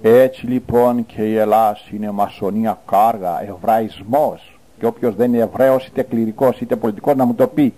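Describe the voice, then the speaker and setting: Fiery, scornful priest with a dark voice. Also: male voice, fairly low pitch, fairly even intonation, rough recording. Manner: denouncing, scornful, with sudden loud outbursts. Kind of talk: fiery sermon.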